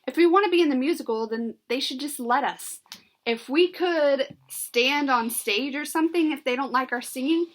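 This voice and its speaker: A woman voicing an upset teenage girl who complains in high, quick outbursts. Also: expressive, close to an everyday voice. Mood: whiny upset.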